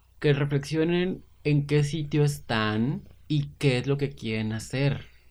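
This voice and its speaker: A man with a fairly high pitch and ordinary pitch variation talks in an unremarkable speaking voice. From Tijuana, Mexico. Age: 20s. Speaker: podcast co-host. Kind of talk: casual chat.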